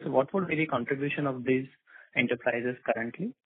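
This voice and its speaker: A man with an Indian accent and a husky voice, putting questions as an investor on an earnings call. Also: mid-range voice, a little fast, no echo. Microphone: phone line. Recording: muffled narrow phone line.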